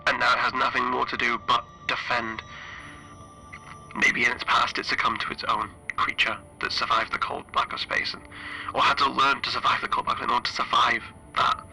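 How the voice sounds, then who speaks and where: A man playing a frightened, stranded spaceship engineer recording an audio log for a horror roleplay, halting and stammering through a radio filter. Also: medium pitch, flat delivery, vocal fry, bright, forceful tone, slight background noise, low-quality recording. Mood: uneasy musing. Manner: halting, stammering, anxious repetitions. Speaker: solo tabletop roleplayer.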